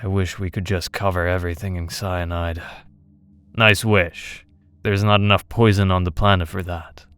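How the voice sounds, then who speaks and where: A man's voice: low voice, flat delivery, normal speed, a bit bright, clear, resonant tone. A man voicing a blunt, jaded, grumbling male volunteer in horror story dialogue, with music behind him. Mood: jaded, nonchalant. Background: background music.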